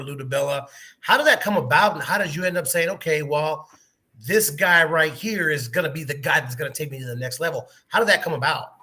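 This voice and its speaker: A man's voice: on the high side, pushed and bright. A man co-hosting a boxing interview, asking questions in a loose, enthusiastic way and swearing casually. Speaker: ring announcer, co-host.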